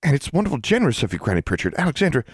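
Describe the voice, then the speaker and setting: A man voicing a gentle, proper backwoods girl with an Ozark accent and old-fashioned dialect, for a storybook. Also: medium pitch, big pitch swings, very fast, breathy edge, no echo, studio quality, voice pushed up. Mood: flustered.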